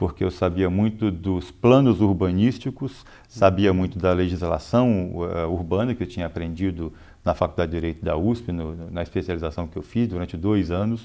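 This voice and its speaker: Against a quiet background, a man talks at a moderate pace in a dark, mellow, very deep voice with ordinary pitch variation. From Brazil, Espírito Santo. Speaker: municipal finance secretary. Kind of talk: interview. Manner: calm.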